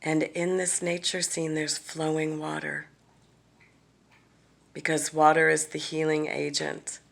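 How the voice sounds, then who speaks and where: A woman leading a guided visualization, speaking gently and deliberately with long pauses and some softly breathed phrases. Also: low-pitched, monotone, gravelly. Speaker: guided meditation leader. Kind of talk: guided visualization, soothing meditation narration.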